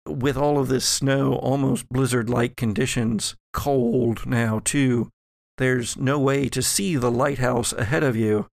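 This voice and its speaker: Male game master for tabletop narration. Very unhurried, atmospheric delivery, mid-range pitch. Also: steady tone, gravelly, dry recording, studio quality. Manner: slow, deliberate, pausing between phrases.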